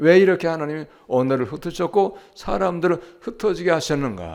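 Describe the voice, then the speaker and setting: With a normal speaking voice, a man talks at a fairly slow pace, his fairly high pitch showing ordinary variation. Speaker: pastor. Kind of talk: sermon.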